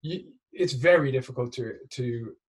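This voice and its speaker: A man's voice: mid-range voice, moderate pace, breathy edge. A man speaking as an executive guest in a business interview, explaining conversationally and often checking in with tag questions.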